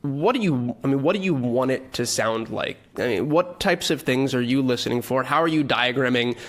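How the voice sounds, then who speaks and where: A man's voice: medium pitch, normal speed. A man hosting a podcast interview who asks long, rambling questions full of fillers. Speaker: podcast host.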